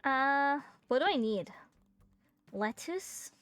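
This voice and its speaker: Casting: a playful woman game streamer, high voice, dry close mic, faint music behind. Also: animated, slow pace, a bit bright, no echo. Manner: joking, rambling, many fillers. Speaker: VTuber streamer. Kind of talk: casual game-stream chat.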